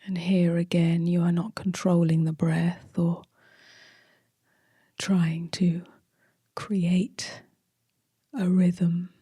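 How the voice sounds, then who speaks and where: Slow, breathy woman guiding meditation. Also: lowish voice, flat delivery, no echo, studio quality. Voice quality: soft, breathy. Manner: gentle, hushed, long pauses between short phrases. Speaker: meditation teacher. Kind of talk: guided meditation.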